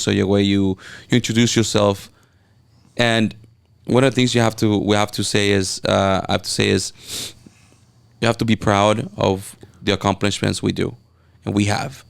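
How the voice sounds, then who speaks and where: A man with a Mexican Spanish accent, a native Spanish speaker, chatting as a guest and telling excited stories with many restarts. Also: on the low side, normal speed, creaky. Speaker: guest, event videographer. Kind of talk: casual interview chat.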